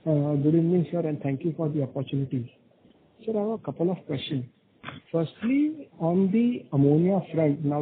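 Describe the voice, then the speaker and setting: A man asking formal, polite questions as an analyst on a conference call, over a phone line. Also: on the high side. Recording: tinny narrow phone line.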